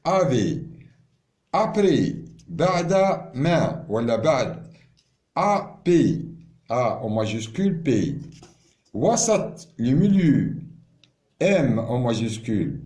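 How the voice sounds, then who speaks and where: A man gives an informal pharmacy lesson, explaining terms slowly, mixing in French and stalling with repeats. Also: mid-range voice, sing-song, a little mellow, reverberant. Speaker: pharmacy teacher.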